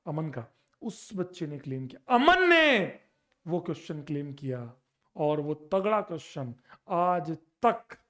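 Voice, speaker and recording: A male chemistry teacher lecturing for an exam-prep class, his voice sitting high and lively. He talks with teasing energy, switching between Hindi and English as he works through problems.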